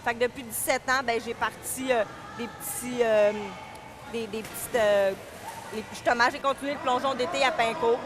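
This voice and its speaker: A woman's voice: fairly high pitch, fairly even intonation, moderate pace, noisy background. A woman in her thirties with a Québécois French accent, talking casually as an interview guest, hesitant with many fillers and restarts. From Quebec, Canada. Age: 30s. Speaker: guest, diving club vice-president and coach. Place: indoor pool area.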